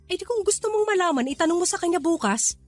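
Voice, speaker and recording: Radio drama role: young KTV hostess, high voice, proud and defensive, faint music underneath. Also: female voice, lively intonation, fast, no echo. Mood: defiant. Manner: emotional, defensive, firm. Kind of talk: Tagalog radio drama acting.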